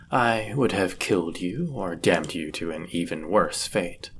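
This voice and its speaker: A man's voice: low-pitched, slight background noise, full character voice. A man playing a powerful demon, a devoted and possessive servant, with formal, theatrical phrasing in a fantasy audio roleplay.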